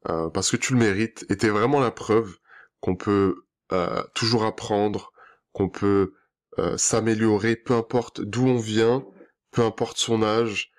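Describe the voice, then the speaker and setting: A man's voice: lowish voice, steady tone, measured pace. A man hosting a coaching podcast, encouraging and affirming his guest and audience. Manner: encouraging and affirming, many back-channel hums. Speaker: relationship coach and podcast host. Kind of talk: podcast interview and outro.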